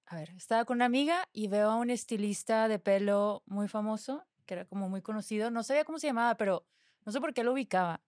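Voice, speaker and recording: A woman's voice: medium pitch, a little mellow, no room sound, clean studio sound. A woman from Mexico with a Mexican accent, a podcast co-host chatting casually and telling a story full of asides. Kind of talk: casual chat.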